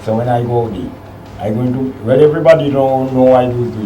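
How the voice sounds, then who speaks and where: Amid noticeable background noise and audible room echo, a man with a medium pitch speaks at a moderate pace. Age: 60s. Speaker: soca and calypso singer. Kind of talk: interview.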